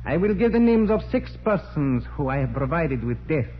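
An actor playing a coolly self-assured Oriental mystic high priest in a radio crime drama, formal and pompous in the 1940s style. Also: male voice, very animated, normal speed. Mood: smug, unruffled. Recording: muffled, noisy 1940s radio recording with hum.

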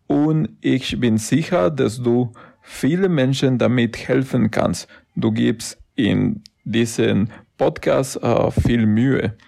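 Slow gravelly man. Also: mid-range voice, a little mellow. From Mexico. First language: Spanish. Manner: careful and deliberate, as a learner. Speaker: listener sending in a message. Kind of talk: read-aloud voice message.

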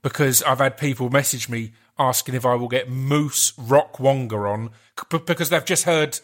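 A man's voice: medium pitch, a little fast, a bit bright. A man with an Essex accent hosting a casual, conversational podcast interview. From Essex, England. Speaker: podcast host.

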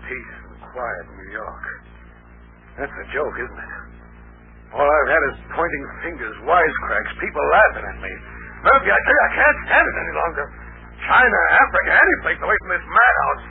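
An actor playing a jumpy, insistent retired adventurer who protests in emphatic bursts, in 1940s radio acting style. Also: male voice, fairly high pitch, sing-song, brisk. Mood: weary. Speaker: lead in a radio play. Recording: tinny old radio broadcast, faint hiss.

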